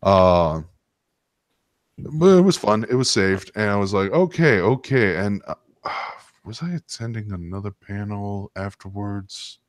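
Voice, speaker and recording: A man's voice: on the low side, lively intonation, measured pace, dry recording. A man hosting a casual stream, telling stories in a rambling, sometimes profane way. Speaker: stream host. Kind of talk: casual storytelling chat.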